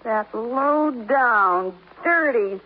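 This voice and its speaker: A woman's voice: a little high, animated, extremely slow, heavily acted. An actress playing a brassy, tough-talking young showgirl in a 1950s radio drama, full of slang and indignation. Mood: indignant. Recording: tinny, hissy old radio broadcast.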